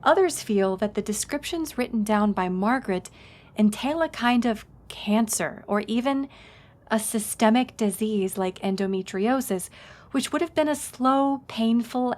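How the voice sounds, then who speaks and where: A woman's voice: mid-range voice, unhurried, darkish tone, natural voice. A woman playing a friendly, knowledgeable historic house tour guide in an audio roleplay, speaking in an informative, conversational way. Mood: informative, engaged. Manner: conversational, informative, engages the listener with questions.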